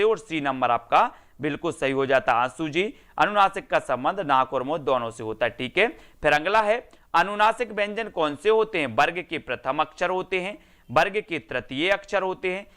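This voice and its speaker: A man's voice: a little high, bright, forceful tone, clean tone. A man teaching an online exam-prep Hindi grammar class, calling out students by name and answering his own questions. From India.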